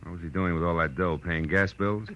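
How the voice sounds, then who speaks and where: An actor with an American accent playing a tough, wry private detective in a clipped, sardonic 1940s radio drama style. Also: male voice, low-pitched, brisk, slight background noise, close to an everyday voice. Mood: sardonic, pressing. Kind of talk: 1940s radio detective drama acting and first-person narration. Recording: dull old radio recording, music behind.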